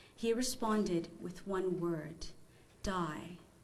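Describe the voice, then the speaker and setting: Audible room echo around a woman's voice of ordinary pitch variation. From Toronto, Canada. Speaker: community advocate. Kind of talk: reading aloud.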